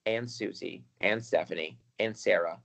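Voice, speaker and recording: A man playing a lovesick middle-aged mother in an improv comedy scene, talking in a low, wistful, offhand way. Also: normal speed, creaky, fairly bright tone. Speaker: improv performer.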